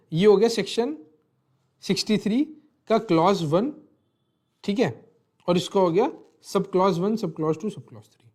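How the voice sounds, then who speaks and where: Speaking in a high, a little mellow voice, a man teaches a law lecture online, working through a legal text. He mixes English legal terms into his Hindi, repeats phrases, and frequently checks with the listener via "thik hai."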